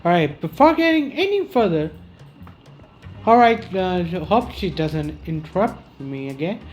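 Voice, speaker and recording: Casual gameplay commentator: unhurried, halting, self-repeating, lively pitch movement, light music underneath. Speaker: gaming YouTuber.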